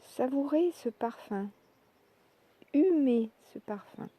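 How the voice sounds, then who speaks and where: A woman leading a guided yoga relaxation, speaking calmly and in measured short phrases with pauses. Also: sits high, no echo, dull audio. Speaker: yoga nidra relaxation instructor. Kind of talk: guided meditation, soft instructional narration.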